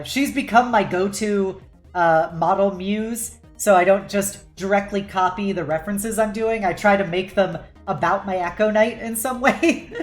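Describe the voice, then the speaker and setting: A woman chatting casually and playfully to viewers on a livestream, with a giggly, chatty manner. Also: medium pitch. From United States. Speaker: live streamer. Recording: music playing behind the voice. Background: background music.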